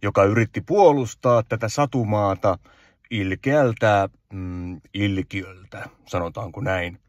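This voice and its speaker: A man narrating a fairy tale for children as a storyteller, soothing and unhurried. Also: on the low side, dry recording, highs cut off.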